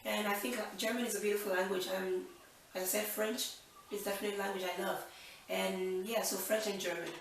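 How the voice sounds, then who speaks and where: A woman's voice: medium pitch, fairly even intonation, fairly quick, vocal fry, recorded from a distance, slight background noise. Chatty young woman in an echoey room. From Nigeria. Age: 20s. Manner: chatty and upbeat, thinks aloud with fillers. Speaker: channel host. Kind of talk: casual Q&A vlog.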